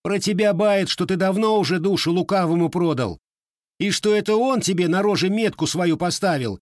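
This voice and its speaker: A man's voice: sits high, big pitch swings, normal speed, breathy edge, no room sound, clean studio sound, pitched above the performer's own voice, full character voice. Man doing a cheeky teenage Cossack boy. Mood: brash. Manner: brash, whiny.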